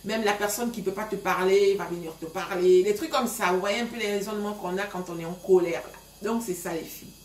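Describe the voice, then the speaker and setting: Chatty woman in her 30s, middle pitch, recorded in an echoey room. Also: brisk, hardly any pauses. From Gabon. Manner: chatty, many fillers, addresses viewers directly. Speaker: vlogger giving relationship advice. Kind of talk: casual storytelling to viewers.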